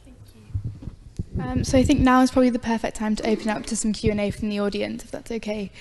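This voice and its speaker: A woman moderator politely opens the floor to questions, hesitating with plenty of ums. Her voice stays flat and even in pitch. It sounds from far off in a reverberant hall, with faint noise underneath. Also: fairly quick. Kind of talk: hosting a Q and A. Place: lecture hall.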